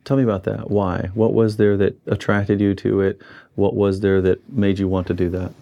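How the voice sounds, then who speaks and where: A man hosting an interview, asking measured questions with frequent hesitations. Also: lowish voice, little pitch movement, creaky, mellow, lo-fi sound. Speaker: interviewer host.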